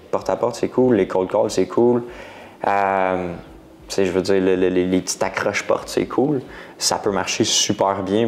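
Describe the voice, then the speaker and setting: A man's voice: low-pitched, darkish tone. A young man in his twenties with a Quebec French accent, telling his story in a casual interview, rambling and slangy, dropping English words. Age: 20s. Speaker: guest entrepreneur.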